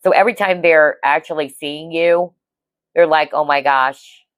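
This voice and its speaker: A woman's voice: low-pitched, normal speed, no echo. A woman giving a casual tarot reading to viewers, chatty and reassuring, often checking in with "okay?". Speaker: tarot reader.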